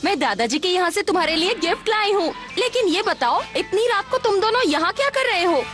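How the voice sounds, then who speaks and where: A motherly cartoon woman, chatty and caring. The voice is expressive and extremely high, over loud background music. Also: a little fast. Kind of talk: Hindi cartoon dub.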